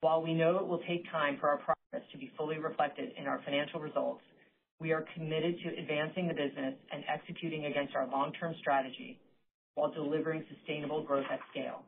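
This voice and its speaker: A woman finance executive reading prepared earnings call remarks in a formal, measured way. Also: sits low, steady tone. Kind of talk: scripted earnings call presentation. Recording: narrowband conference phone line.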